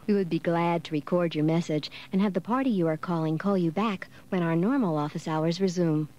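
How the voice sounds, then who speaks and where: A woman's voice: on the low side, fairly quick, dark tone, highs cut off. A woman speaking a formal, polite, scripted answering machine greeting, recorded as a voicemail message.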